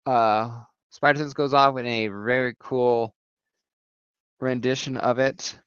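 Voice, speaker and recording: Male comic reviewer, smooth clear voice, loose rambling delivery full of "uh"s, dry and slightly dull recording. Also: mid-range voice, fairly bright tone, dry recording. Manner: rambling, many fillers and restarts. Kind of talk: casual comic recap.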